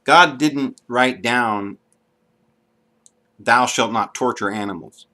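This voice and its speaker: A man's voice: medium pitch, slow pace, pushed and bright. A man giving an unscripted, earnest monologue to camera, with frequent ums and restarts. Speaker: video blogger.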